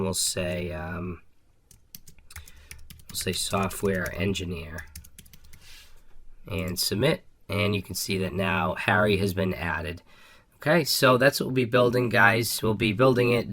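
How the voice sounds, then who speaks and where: A man hosting a casual coding tutorial, walking through each step in a relaxed, upbeat way with a few ums and restarts. His voice is still a little raspy from an illness. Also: deep voice, slight background noise. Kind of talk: screen-recorded coding walkthrough.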